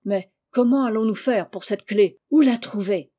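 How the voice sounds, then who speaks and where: A woman's voice: on the high side, moderate pace, dark tone, lightly acted. Woman doing a blunt, good-hearted rustic farmhand man. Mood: forgiving, plain. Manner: blunt rustic turns of speech.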